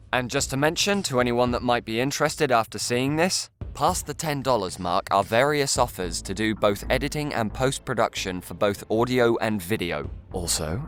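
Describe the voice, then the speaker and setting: A man's voice: lowish voice, fairly bright tone. A man giving a scripted, earnest address to viewers as a video creator, articulate and slightly formal.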